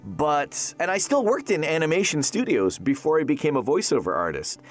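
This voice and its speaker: A man's voice: on the high side, very animated, moderate pace. A man, a Canadian-raised voice actor, chatting casually in an interview with lots of restarts and fillers. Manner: rambling, many restarts and fillers. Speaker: voice actor guest.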